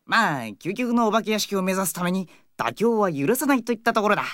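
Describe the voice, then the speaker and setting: A woman acts as a cheeky teenage boy from an audio drama. His delivery is very animated, swinging up and down in blunt, boyish talk with dramatic flourishes. Faint noise sits behind the voice. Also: medium pitch, brisk, natural voice. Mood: casual, confident. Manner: casual, blunt boyish talk with theatrical outbursts. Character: cheeky, excitable teenage schoolboy, playfully dramatic. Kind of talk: Japanese audio drama acting.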